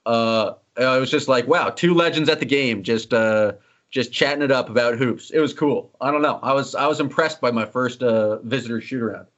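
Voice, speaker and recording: A man's voice: mid-range voice, a bit bright. Guy hosting a sports podcast, jokey and teasing, kinda dull lo-fi sound. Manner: joking, quick and teasing. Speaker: podcast host. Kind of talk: casual sports podcast chat. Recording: slightly dull lo-fi audio.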